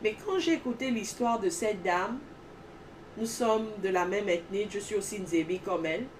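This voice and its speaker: A woman speaks in an earnest testimony style, stacking emphatic repeated phrases. Her voice is mid-pitched and sits away from the microphone. A faint noise runs behind her. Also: normal speed, recorded from a distance, rough recording. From Gabon.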